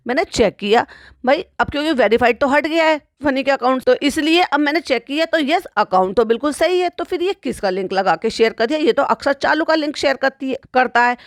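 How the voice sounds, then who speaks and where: Chatty woman with a fairly high voice. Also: lively intonation, fairly quick, dry recording, studio quality. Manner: chatty, repeats phrases, frequent "bhai sahab" asides. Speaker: YouTube commentary host. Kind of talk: casual commentary monologue.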